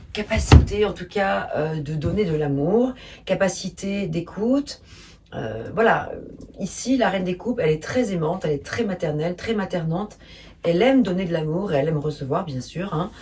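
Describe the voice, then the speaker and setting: Calm low-voiced woman reading tarot. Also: moderate pace, recorded from a distance, a little hiss or hum. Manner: calm, gentle, hesitant with many fillers. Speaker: tarot reader. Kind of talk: spontaneous tarot reading monologue.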